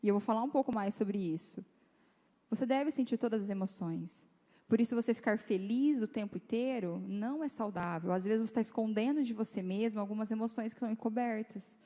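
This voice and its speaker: A woman's voice: on the high side, brisk. Chatty woman speaker in a reverberant hall. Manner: lively, chatty, acts out dialogue in quoted voices. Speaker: guest speaker at a youth church meeting. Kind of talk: informal talk to teenagers. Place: church hall. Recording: long reverb of a church hall.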